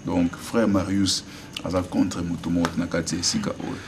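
A gospel singer answering interview questions in an earnest, appealing way. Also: male voice, low voice, level tone, normal speed, gravelly. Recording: distant mic with loud noise.

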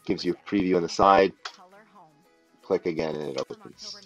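A deep-voiced man presents an unscripted software tutorial as a voice-over for a screen recording. He speaks deliberately and instructionally, explaining each step in turn, with faint music behind him.

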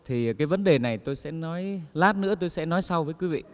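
A man's voice: on the high side, expressive, fast talker, in a large hall, heavy background noise. A man telling a string of comic stories to an audience, acting out the quoted lines. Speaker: comedian telling jokes. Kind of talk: stand-up joke telling.

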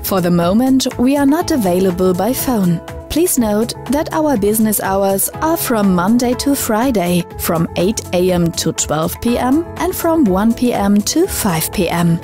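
A woman speaking a recorded answering machine greeting in a polite, scripted manner, spelling out an email address slowly. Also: medium pitch, animated, mellow, soft background music.

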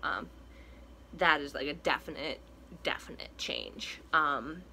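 A man's voice: fairly high pitch, very animated, slow pace, creaky, pushed and bright, slight background noise. A young trans man talking through a casual home vlog update, rambling with lots of fillers, his voice cracking now and then. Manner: chatty and rambling, many fillers and restarts. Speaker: vlogger. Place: small room indoors at home.

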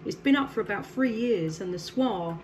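Speaking at a moderate pace with lively intonation, a woman from England has a medium-pitched, slightly mellow voice as she chats casually over CB radio with a distant contact from her home station. She is friendly, laughs a lot and uses many fillers such as um.

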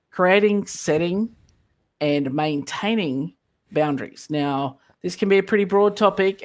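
A podcast host welcoming co-hosts and setting up the discussion in an upbeat, chatty way. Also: medium pitch. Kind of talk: podcast hosting.

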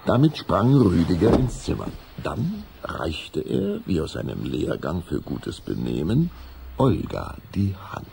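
A man's voice: low-pitched, huge pitch swings, unhurried, gravelly, warm tone, a little hiss or hum. A man delivering scripted storytelling narration as the narrator of a children's audio drama.

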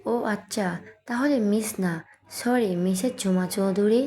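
A woman's voice: mid-range voice, measured pace, warm tone, natural voice. A woman doing a jolly, teasing father. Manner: teasing, easygoing. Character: jovial, indulgent middle-aged father.

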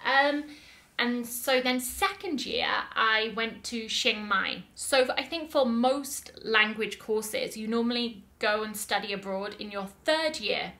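Bright-voiced British woman telling her story. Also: on the high side, takes it slowly. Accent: British English. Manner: chatty, lots of "um" and "like", repeats words for emphasis. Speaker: language teacher and podcast host. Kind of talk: casual personal storytelling.

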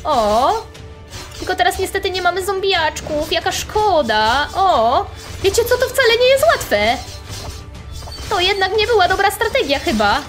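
A young woman commentating her own online game playthrough, chatty and excitable, talking straight to her viewers and making playful sound effects. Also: very high voice, unhurried, faint music behind. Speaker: gaming channel host. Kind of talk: playful let's-play commentary.

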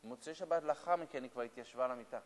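A man, a rabbi, telling a story as a sermon in a lecture hall, exhorting dramatically and acting out the dialogue. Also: mid-range voice. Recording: long echo of a lecture hall.

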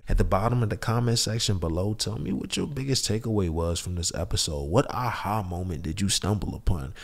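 A young adult man co-hosting a podcast, laid-back and smooth as he wraps up the episode. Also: sits low. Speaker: podcast co-host. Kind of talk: casual podcast chat and sign-off.

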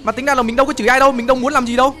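A young man with a very high, bright voice calls out his match as he plays, exclaiming constantly and trash-talking the enemy team. Faint game music plays behind him. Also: racing. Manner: excitable, exclaiming, brash trash talk. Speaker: gaming streamer. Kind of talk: live gameplay commentary.

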